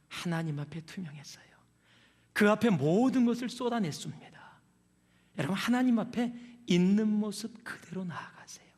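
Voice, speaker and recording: A man's voice: sits high, darkish tone, big-room sound. A man preaching a sermon as a pastor, telling stories and asking the congregation questions in a conversational way. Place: church sanctuary.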